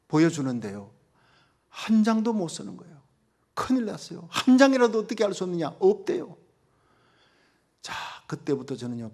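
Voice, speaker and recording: Korean pastor preaching with dramatic swings. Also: male voice, on the high side. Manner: dramatic storytelling, swinging from hushed to loud preaching. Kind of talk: sermon.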